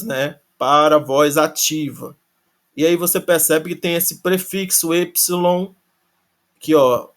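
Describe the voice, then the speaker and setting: A man's voice: on the high side, fairly bright tone. A man teaching a grammar lesson in a casual, thinking-aloud way. He restarts often and spells out verb endings syllable by syllable. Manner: thinks aloud, many restarts and tag questions. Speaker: Greek teacher.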